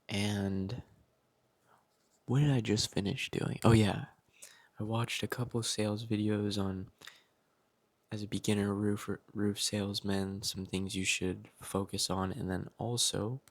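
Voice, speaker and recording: Young male vlogger, flat monotone delivery, talks himself through his goals at home. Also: fairly low pitch. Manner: reflective, self-motivating, unhurried. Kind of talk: casual vlog talking to camera. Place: at home, indoors.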